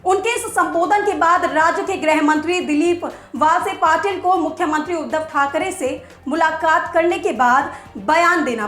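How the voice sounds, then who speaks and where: Lady news anchor, really high voice, emphatic rhetorical commentary, music behind her. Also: fairly bright tone. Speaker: news presenter. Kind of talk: scripted news commentary to camera. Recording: echoey room with music behind.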